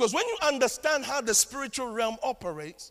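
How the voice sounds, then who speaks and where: In a Ghanaian accent, the speaker uses a raised, projected voice at a fairly quick pace. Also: man. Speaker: pastor. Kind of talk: sermon. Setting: church; in front of a congregation. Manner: animated.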